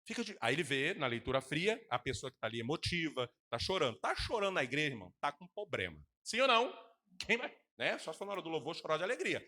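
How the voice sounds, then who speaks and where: A man preaching as pastor with a Brazilian Portuguese accent, animated and mocking in his asides. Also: fairly high pitch, quick pace. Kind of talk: sermon with congregation exchange.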